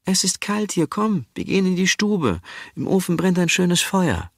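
A man's voice: sits high, sing-song, normal speed, gravelly, no echo, studio quality, pitched above the performer's own voice, heavily acted. A man reading an audiobook, voicing a worried, anxious woman who fusses and pleads. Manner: anxious, fussing pleas.

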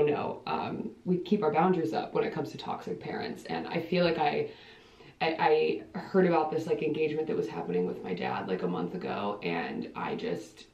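A woman's voice: low-pitched, vocal fry, mellow. Chatty twenties woman in an echoey bathroom. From Ohio, United States. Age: 20s. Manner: chatty and rambling, frequent filler "like". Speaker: vlogger. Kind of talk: casual vlog chat to camera. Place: small bathroom, indoors. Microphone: camera mic a few feet away. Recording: echoey bathroom, distant dull camera audio.

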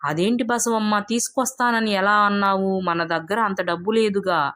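A woman's voice: medium pitch, fairly even intonation, moderate pace, a bit bright, close to an everyday voice. A woman voicing a meek male farmer in a storybook tale, hesitant and fretting. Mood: anxious. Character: meek farmer man, reluctant and over-polite.

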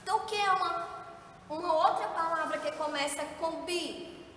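A woman teacher explaining a board game to young children, counting aloud slowly and coaxing them along, recorded in an echoey room from some distance away. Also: very high voice, fairly bright tone, a little hiss or hum.

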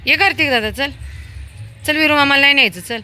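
Slight background noise accompanies this casual home video, in which a woman talks a little fast in a high, pushed, bright voice. Filming her dog and a small child on her outdoor terrace, she coaxes them along in sing-song baby talk.

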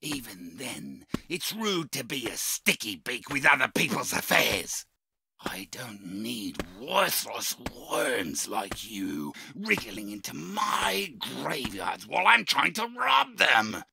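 Gravelly, creepy old Australian grave robber. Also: male voice, mid-range voice, very animated, takes it slowly, full character voice. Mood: menacing. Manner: leering, theatrical, swinging from hushed to shouting. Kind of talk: audio drama acting.

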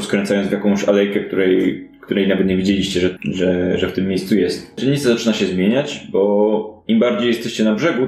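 Male game master, lowish voice, improvised fantasy narration, roomy sound over soft music.

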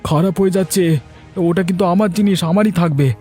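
A man's voice: sits high, fast talker, warm tone, pitched above the performer's own voice, close to an everyday voice. A man doing a raised, defiant poor villager. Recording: faint music behind.

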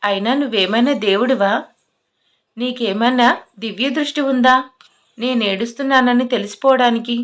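A woman's voice: fairly high pitch, moderate pace, long pauses, close to an everyday voice. A woman voicing a young female college student who answers back, defensive and mocking. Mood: defiant.

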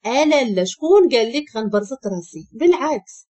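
A charming male colleague, voiced by a woman with a Moroccan accent in a spoken story. He teases and jokes playfully, and the voice stays husky and lively in pitch. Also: quick pace. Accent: Moroccan Arabic. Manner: teasing and playful.

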